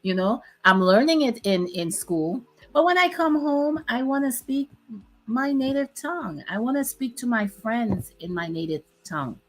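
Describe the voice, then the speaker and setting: A woman's voice: a little high, expressive, moderate pace, low-quality recording. A woman from Dominica, hosting a casual chat, talkative, laughing often and stretching words for emphasis. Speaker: host.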